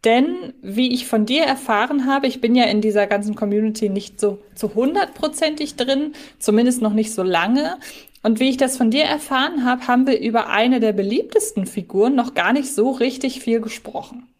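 A woman's voice: a little high, moderate pace. A woman hosting a podcast in a conversational, moderating style. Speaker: podcast host.

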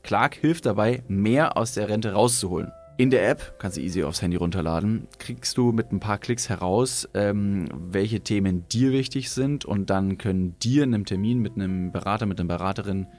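A man's voice: fairly low pitch, normal speed, hardly any pauses, darkish tone, faint music behind. A young man co-hosting a podcast, chatting loosely and reading an ad in a slangy, laid-back way. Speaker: podcast co-host. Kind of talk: casual podcast chat and host-read ad.

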